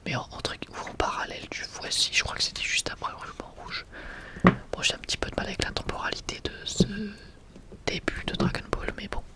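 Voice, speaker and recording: An ASMR creator whispering breathily and close to the mic in a casual, rambling, enthusiastic way, often correcting themselves. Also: fairly quick.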